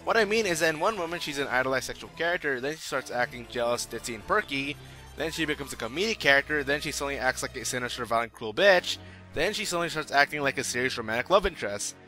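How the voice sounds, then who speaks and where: A man's voice: medium pitch, lively intonation, fast, sharp tone, faint music behind. A man giving a casual, opinionated video review as host, irreverent, sarcastic and slangy in his delivery.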